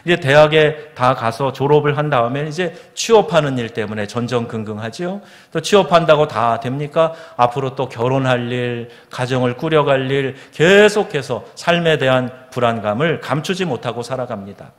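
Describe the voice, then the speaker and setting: A Korean man, a pastor, delivers a Sunday sermon at an ordinary middle pitch. He asks his listeners questions and reads scripture slowly and solemnly. His voice rings out with the long reverb of a church sanctuary. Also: expressive. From South Korea.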